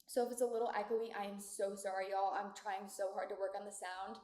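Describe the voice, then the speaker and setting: A woman's voice: medium pitch, fairly even intonation, a little fast, mellow. Chatty young woman in an echoey room. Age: 20s. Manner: chatty, upbeat, lots of filler words. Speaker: podcast host. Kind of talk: casual solo podcast chat. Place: echoey shared community room in an apartment building.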